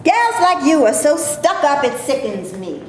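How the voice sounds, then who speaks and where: Female reader as a sharp-tongued black actress who scolds and mocks; a high, animated voice with heavy room echo. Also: a little slow. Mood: scornful. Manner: scornful, sharp. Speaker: actor in a staged reading. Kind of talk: staged play reading. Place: stage before a live audience. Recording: very echoey room, faint noise.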